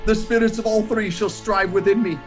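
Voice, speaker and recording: An actor playing an old miser, repentant and pleading, in theatrical, emotional radio drama style. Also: male voice, sits high, fairly even intonation, brisk, faint music behind, lightly acted. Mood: desperate pleading.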